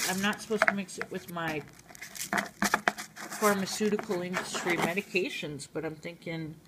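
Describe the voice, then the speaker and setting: A woman vlogger, just woken up, rambling casually through a tea haul. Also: fairly low pitch. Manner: rambling, giggly, playful. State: just woke up, groggy. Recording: noisy home video.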